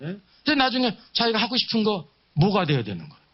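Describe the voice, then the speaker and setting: A man's voice: high voice, wildly swooping pitch, fast, slightly rough. A man preaching at a Bible seminar, teaching emphatically with rhetorical questions and repeated key phrases. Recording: dull, muffled lo-fi sound.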